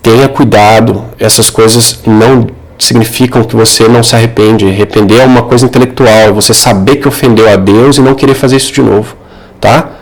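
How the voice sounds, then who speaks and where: A man's voice: mid-range voice, fairly even intonation, brisk, rough recording. Earnest Brazilian man giving religious advice. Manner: earnest, didactic, addressing the listener directly. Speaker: Catholic advice video creator. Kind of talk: informal religious advice monologue.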